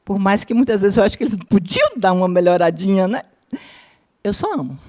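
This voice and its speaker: A woman's voice: mid-range voice, brisk. A woman around fifty, a psychologist teaching a spiritist course, tells personal family stories to a live audience, keeps asking whether they follow, and acts out what her relatives said. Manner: lively, keeps checking in with listeners, acts out quoted family members. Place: lecture room with a live audience.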